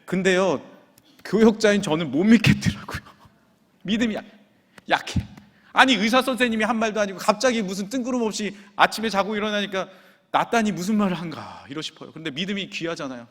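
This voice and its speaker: A male senior pastor preaching a sermon in a church, telling a personal story with hushed asides and sudden exclamations. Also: sits high, fast. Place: church sanctuary. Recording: long church hall reverb.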